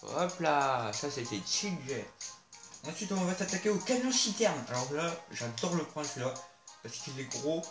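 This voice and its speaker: A man's voice: a little high, very animated, moderate pace. A man casually showing off vehicles in a video game, chatty, with frequent fillers and asides to viewers. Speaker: gameplay video host. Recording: roomy sound with loud game music.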